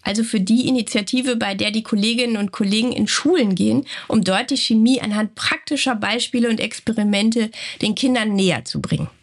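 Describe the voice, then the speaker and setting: A woman's voice: on the high side, a little fast, hardly any pauses. Congested woman news co-host. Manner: friendly, conversational. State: stuffy cold. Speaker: co-host of a company news show. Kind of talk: casual scripted news chat.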